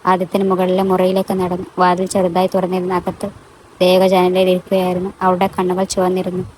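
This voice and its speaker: A woman narrating a romantic audio story with a calm, measured delivery. Her voice sits low and stays very level throughout. A faint background hiss runs under the reading. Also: rough recording.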